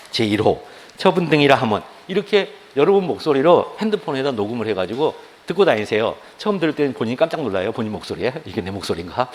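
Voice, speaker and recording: A middle-aged man giving a law exam lecture, lively, acting out students' grumbles in quick asides. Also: mid-range voice. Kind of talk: classroom lecture.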